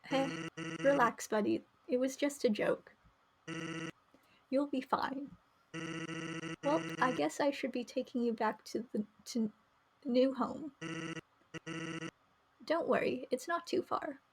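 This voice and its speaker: A woman's voice: sits high, slow, long pauses, breathy edge, full character voice, poor audio. A woman voicing a laid-back, joking male skeleton in a game, casual, teasing and reassuring. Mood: easygoing, teasing.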